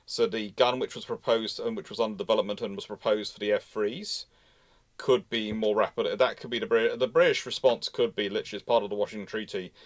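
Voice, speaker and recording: A man's voice: on the low side, fairly even intonation, fairly quick, no room sound. A man hosting a live question-and-answer talk on naval history, speaking emphatically and often repeating or rephrasing his points. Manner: emphatic, repeats phrases, rephrases mid-sentence. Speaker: host.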